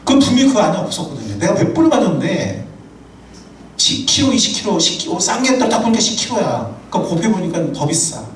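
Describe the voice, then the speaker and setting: A man preaching in a church with a lively, rising-and-falling voice. He is animated and humorous and weaves in personal stories. The sound is roomy and distant, with faint ambience behind him. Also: high-pitched, fairly quick, slight background noise. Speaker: pastor. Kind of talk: sermon. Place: church sanctuary. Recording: echoey hall from far off.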